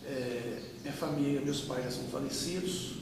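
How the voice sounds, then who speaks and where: A man in his fifties from Brazil, recalling his past in an unhurried oral-history interview with many pauses. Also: medium pitch, background noise. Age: 50s. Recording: echoey room, mic far off.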